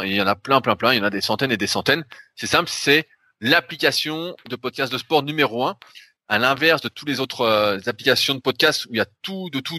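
A man's voice: medium pitch, sharp tone, no echo. A man hosting a podcast in casual chat, rambling with many fillers and loose slang. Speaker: podcast host.

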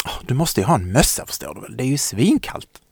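A man's voice: mid-range voice, very animated, vocal fry, breathy edge, no echo, full character voice. A man voicing an insistent little child who gives urgent, caring commands. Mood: upset.

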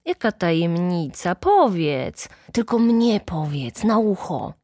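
A woman's voice: fairly low pitch, lively intonation, takes it slowly, dark tone, breathy edge, no room sound, clean studio sound, heavily acted. A woman doing a cheeky mocking schoolboy. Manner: mocking, wheedling.

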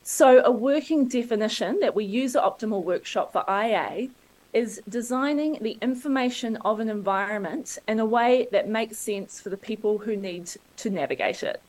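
A woman's voice: a little high, normal speed, a little mellow, rough recording. A woman with a New Zealand accent giving a conference talk, joking and self-deprecating. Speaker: conference speaker.

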